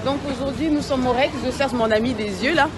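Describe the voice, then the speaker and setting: A woman's voice: high-pitched, fairly quick. A woman vlogger from the Gers talking casually and encouragingly to her viewers outside a cinema. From Gers, France. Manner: upbeat, encouraging, chatty. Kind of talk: casual vlog address to viewers. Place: outside a cinema at a premiere, crowd around. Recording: crowd noise behind. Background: crowd.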